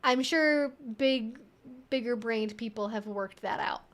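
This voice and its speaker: A woman hosts a casual livestream Q&A, reading viewer comments and talking conversationally and emphatically as she thinks aloud. Her voice is on the high side at a measured pace, with a little hiss or hum in the recording.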